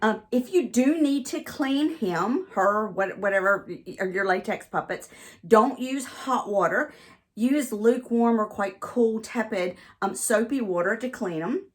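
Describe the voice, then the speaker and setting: Chatty, high-voiced woman ventriloquist. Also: unhurried. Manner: chatty, rambling. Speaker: ventriloquist and stand-up comedian. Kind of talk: casual puppet demonstration vlog.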